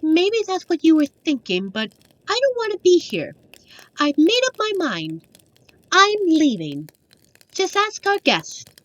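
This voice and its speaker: A woman's voice: very high-pitched, huge pitch swings, a little slow, dry recording, heavily acted, rough recording. A woman playing a young, stubborn princess in a fantasy audio drama, speaking insistently and emotionally. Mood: defiant. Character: young princess, stubborn, determined to leave home.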